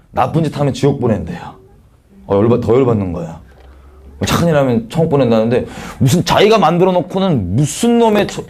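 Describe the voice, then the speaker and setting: A man's voice: medium pitch, darkish tone. A man giving a missionary testimony sermon, telling his story in a frank, colloquial way and acting out the voices he quotes. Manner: frank, colloquial, self-mocking.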